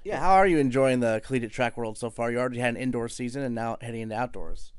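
A man's voice: mid-range voice, racing, clean tone, no room sound, clean studio sound. A man hosting a college sports podcast, asking friendly, encouraging questions and reading sports results. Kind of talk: interview and read sports news.

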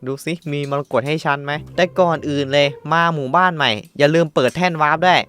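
A gaming channel host with a slightly high, quick voice and a little hiss or hum in the recording runs a casual let's-play. He narrates his own moves and counts aloud, excitably yelping, exclaiming at surprises, and using coarse slang.

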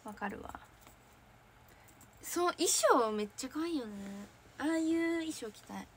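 A bubbly woman with a slightly high voice chats casually on her fan livestream. She reads viewer comments, giggles a lot and keeps things light. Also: lively intonation, unhurried, a little hiss or hum. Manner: bubbly, chatty, frequent giggles. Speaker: idol trainee hosting a fan livestream.

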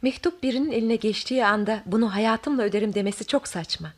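A woman's voice: fairly high pitch, fast, close to an everyday voice. An actress playing a doubtful, insistently questioning woman caught up in a radio theatre murder mystery.

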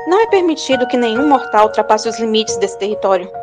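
A woman's voice: on the high side, lively intonation, quick pace, close to an everyday voice. A woman playing a stern, commanding underworld prophetess with a solemn, formal manner in an audio drama. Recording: loud background music.

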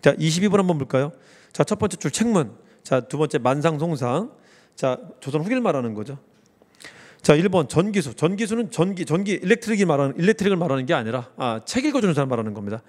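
A man's voice: fairly high pitch, sing-song, fast talker, a little mellow, big-room sound. A man lecturing on history for exam review, repeating key words and mnemonics as he explains.

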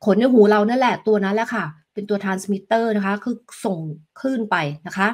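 A woman coach talks gently through a live lesson, explaining each step and answering viewer questions. Her voice is husky and breathy, recorded close on a desk microphone indoors. Tuning fork tones ring out behind her now and then. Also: medium pitch, fairly even intonation, moderate pace. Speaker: health coach.

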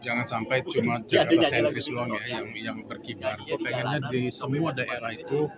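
A man's voice: medium pitch, moderate pace. Older man talking casually over crowd. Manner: casual, slangy, animated. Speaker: veteran actor. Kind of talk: press interview. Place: crowded indoor banquet hall. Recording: loud crowd and announcer behind.

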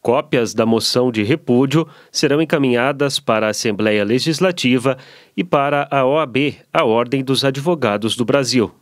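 A man's voice: medium pitch, moderate pace, no room sound. Man reading council news, formal. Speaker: radio news presenter. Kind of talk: read news report. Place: small radio studio. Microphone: studio microphone on arm.

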